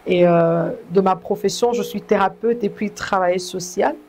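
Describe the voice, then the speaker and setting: A young Congolese woman telling her life story in an interview, measured and earnest, often pausing and restarting. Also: medium pitch, a little mellow. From Congo (DRC). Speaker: guest, gospel singer. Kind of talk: testimony interview.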